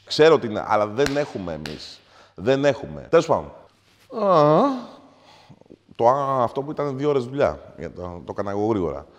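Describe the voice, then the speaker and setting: A man's voice: mid-range voice, big pitch swings, close to an everyday voice. An actor playing a crude, hot-headed taverna owner in his forties, ranting and swearing in a comic monologue. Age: 40s. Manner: foul-mouthed, ranting, swings from mumbling to shouting. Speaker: comedy character. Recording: long hall reverb.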